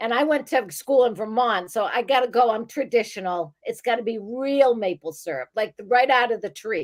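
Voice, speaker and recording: Hardly pausing, a woman with a Boston accent talks at a moderate pace in an animated tone, fairly high in pitch with ordinary pitch variation. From New England, north of Boston. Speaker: regular show guest, life coach. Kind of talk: casual chat.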